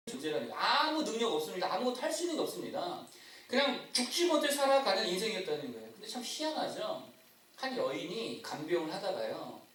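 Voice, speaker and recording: Animated preaching man, echoey hall. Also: sits high, slight background noise. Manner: animated, asks the congregation questions. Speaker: pastor. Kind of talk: sermon. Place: church sanctuary. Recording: echoey church hall, distant mic.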